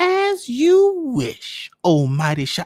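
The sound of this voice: A put-on character voice pitched high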